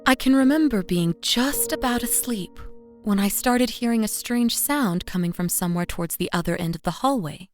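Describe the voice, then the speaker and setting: A woman playing a weary, devoted young mother, telling a first-person horror story in an intimate, expressive way. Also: mid-range voice, normal speed, lightly acted. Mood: uneasy, irritated. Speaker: narrator of a horror audio drama. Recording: voice over music bed. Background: music.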